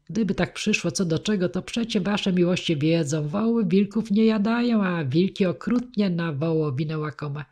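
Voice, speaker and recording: A woman's voice: on the low side, a little mellow. A cocky young soldier brags about his own troops, as a woman reads him aloud. He is folksy and sure of himself, a figure from a storybook. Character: Czech squire Chlawa, young man, lively soldier.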